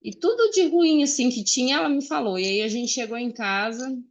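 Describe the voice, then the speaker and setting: A woman's voice: high-pitched, muffled recording. Earnest woman in her 40s. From Uberlândia, Minas Gerais, Brazil. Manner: earnest, pausing often with "é" and "né". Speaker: guest speaker. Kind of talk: personal testimony in a friendly chat. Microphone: video call.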